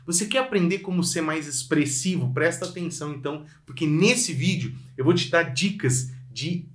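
In an echoey room, a man whose voice is on the high side talks at normal speed while giving an online violin lesson. He has a Brazilian Portuguese accent, speaks right to the viewer with plenty of energy, and sings passages to show how they go.

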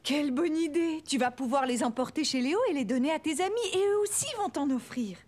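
An affectionate high-voiced cartoon mom. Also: female voice, lively intonation, brisk, darkish tone. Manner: affectionate, encouraging. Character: kind, encouraging young mother. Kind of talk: children's cartoon acting. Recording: music behind.

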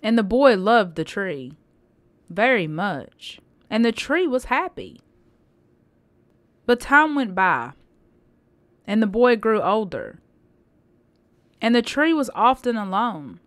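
A woman reading a children's story aloud with expressive, deliberate phrasing. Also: on the high side, dry recording.

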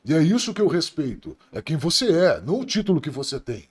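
Middle-aged police officer guest, blunt and profane, animated high-ish delivery. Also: male voice, fairly quick, breathy edge. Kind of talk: casual podcast storytelling.

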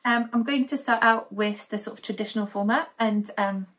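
A woman's voice: on the high side, fairly quick, a bit bright. A young woman from Denmark chatting casually to camera at home as a knitting podcaster, upbeat and rambling with many fillers. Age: young adult. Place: living room at home, indoors.

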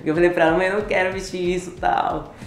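Interviewee: 19-year-old man, Brazilian Portuguese accent, casual and laughing, quick delivery. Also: sits high, slight background noise. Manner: relaxed, laughs often. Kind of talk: casual personal storytelling. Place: studio against grey wall. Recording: roomy room sound.

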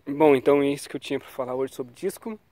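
A man's voice: medium pitch, quick pace, warm tone, no room sound. Chatty man with a cold. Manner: chatty, loose, trails off with "tá?" and "né?". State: has a cold. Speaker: cycling vlogger. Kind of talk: casual talk to camera about bike brakes. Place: outdoors on a quiet paved road. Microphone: action camera on the bike.

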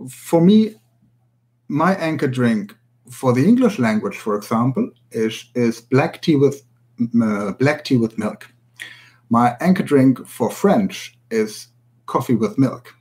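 A man from Germany, a native German speaker with a German accent, giving instructions as a language teacher in a measured, explanatory way. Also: medium pitch, expressive, darkish tone. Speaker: language teacher, academy director. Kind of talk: spoken tutorial to listeners.

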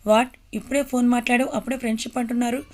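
A woman's voice: on the high side, steady tone, racing, darkish tone, close to an everyday voice. A woman voicing a young housewife and mother who answers a stranger curtly and with irritation. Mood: irritated. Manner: curt, irritated.

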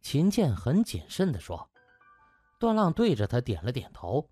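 A man's voice: mid-range voice, huge pitch swings, normal speed, mellow, slightly rough, no room sound. A man reading dramatic scripted narration as an audiobook narrator. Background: faint music.

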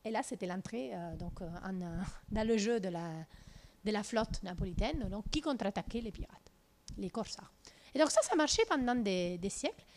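A woman from southern Italy in her thirties with an Italian accent, giving a lively physics lecture in a lecture room through a handheld mic, with many fillers and restarts. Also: medium pitch, normal speed. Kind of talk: lecture with slides.

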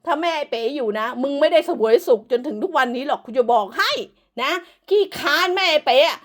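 A woman's voice: high voice, lively intonation, fairly quick. A woman delivering an angry, profane, scolding rant as an online commentator, hurling insults throughout.

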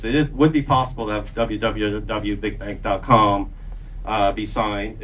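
A man's voice: fairly low pitch, fairly bright tone. An older man hosting a live demonstration in a jokey, off-the-cuff explanatory style. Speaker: presenter hosting a staged demonstration. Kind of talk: informal live explanatory narration. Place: conference meeting room with an audience. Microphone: handheld mic, picked up by far camera. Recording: distant, noisy room camera pickup.

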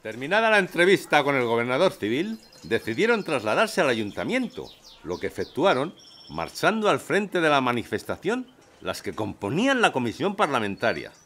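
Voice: mid-range voice, wildly swooping pitch, moderate pace, a bit bright. A performer reading a formal old newspaper report aloud in an audio drama. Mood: formal, measured.

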